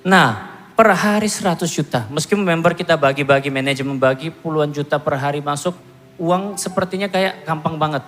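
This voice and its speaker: A man in his thirties from Korea, giving a self-mocking, animated church testimony. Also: on the high side, fairly quick. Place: church hall. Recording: long hall reverb with music behind.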